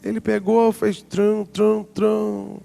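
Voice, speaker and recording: A man in his forties giving a lively storytelling testimony at a conference, acting out the voices of people in his story. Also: high-pitched, slow pace, creaky, in a large hall, faint music behind. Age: 40s. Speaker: worship leader giving a testimony.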